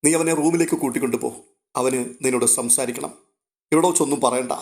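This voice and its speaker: A weary, gentle father from an audio storybook, speaking low and unhurried, as a male narrator puts him on. He explains himself with quiet regret and no raised edges. His tone stays level throughout. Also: natural voice. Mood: calm. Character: grave, gentle middle-aged father, worn by regret.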